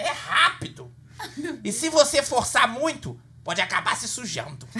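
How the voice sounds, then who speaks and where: Amid noticeable background noise, a woman speaks at a fairly slow pace, her loudness swinging widely. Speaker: podcast co-host, teacher persona. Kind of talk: casual chat.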